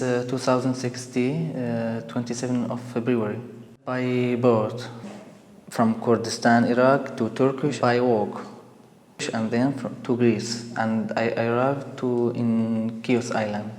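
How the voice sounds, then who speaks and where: Halting young man, roomy echo. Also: medium pitch, darkish tone. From Syria. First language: Kurmanji. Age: 20s. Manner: halting non-native English with frequent pauses and restarts. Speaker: interviewee. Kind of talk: personal testimony interview. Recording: roomy with long reverb.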